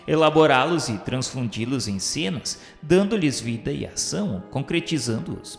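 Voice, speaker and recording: Brazilian male narrator for radio drama: gravelly, solemn, formal, in a reverberant space with faint music. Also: medium pitch. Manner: solemn, formal literary delivery. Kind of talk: scripted dramatic narration of a spiritist radio novel. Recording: echoey reverberant hall sound, faint music.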